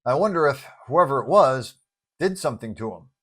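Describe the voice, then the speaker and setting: An earnest, breezy male superhero, voiced by a narrator with a casual way of talking. His medium-pitched voice lifts a little in this comic-book audio story. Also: expressive, fairly quick, fairly bright tone, slightly rough. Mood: worried.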